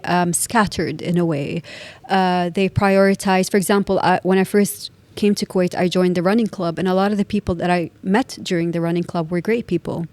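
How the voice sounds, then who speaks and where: A woman in her thirties from the United Arab Emirates, a podcast guest talking in an earnest, thoughtful way, building her points in measured, repeated phrases. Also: medium pitch, no echo. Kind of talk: reflective podcast conversation.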